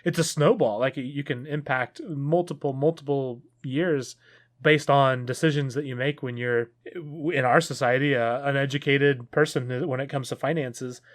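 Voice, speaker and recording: A man co-hosting a casual podcast, talking in long earnest rambles that trail off quietly. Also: medium pitch, steady tone, moderate pace. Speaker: podcast co-host. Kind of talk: casual chat.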